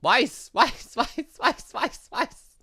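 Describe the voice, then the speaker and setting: A hyperactive young girl from a visual novel, acted out by a man, pitched high and loud. The delivery is bright and gushing, swooping into whiny, childlike exclamations. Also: expressive, drawn-out words, breathy edge, exaggerated voice. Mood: whiny pleading.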